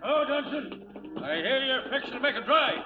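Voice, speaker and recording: An actor playing a wary, confrontational cattle rancher with an American accent in a radio western. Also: male voice, extremely high pitch, animated, normal speed, over a noisy crowd. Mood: wary, challenging. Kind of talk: 1940s radio western acting. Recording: dull vintage radio recording, faint noise.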